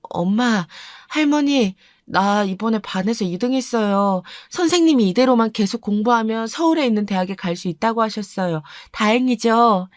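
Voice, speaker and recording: A woman's voice: a little high, moderate pace, hardly any pauses, no echo, studio quality, lightly acted. A woman voicing a resentful teenage girl who complains in a pleading, aggrieved way in a radio story drama.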